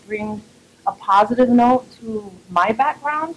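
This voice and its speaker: The speaker has an American accent with ordinary pitch variation. Noticeable background noise is present. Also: woman. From US Southwest (Chicana, Utah). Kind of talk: testimony.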